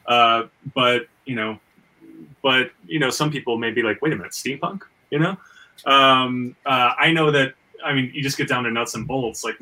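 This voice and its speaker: Bright, emphatic man, slightly off-mic. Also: medium pitch, recorded from a distance, low-quality recording. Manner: emphatic, repetitive stammering, swears freely. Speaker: podcast host. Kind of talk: casual podcast conversation.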